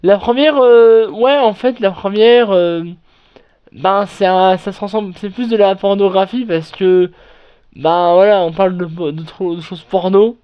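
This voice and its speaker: A man reading internet horror stories aloud and then commenting on them, in a halting way with frequent restarts and self-corrections. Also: high voice, smooth. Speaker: online horror story narrator. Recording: dull lo-fi recording.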